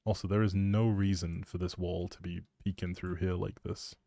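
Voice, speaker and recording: Low, mellow-voiced man rambling casually. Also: little pitch movement, moderate pace, gravelly, dry recording. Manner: informal, thinking out loud. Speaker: live streamer. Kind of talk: casual rambling game stream chat.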